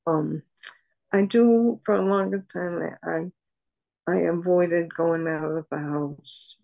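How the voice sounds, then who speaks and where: An older woman on a video call at home, speaking softly and haltingly with many pauses as she talks about her life as a patient. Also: fairly low pitch, steady tone, vocal fry, narrow, tinny audio. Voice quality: soft voice. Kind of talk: personal account in an interview. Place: room at home. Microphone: video call webcam.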